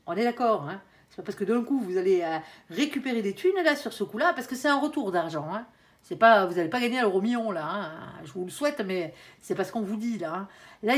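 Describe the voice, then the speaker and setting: A slightly high-pitched woman giving a relaxed tarot reading straight to her audience. She rambles in a colloquial way, leans on small verbal fillers and tag words, and thinks aloud as each card comes up. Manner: chatty, colloquial, full of "hein" and "euh" fillers, addresses the viewer as "mon ange"; thinks aloud while turning cards, with self-corrections and laughs. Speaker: tarot reader. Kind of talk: casual tarot reading for viewers.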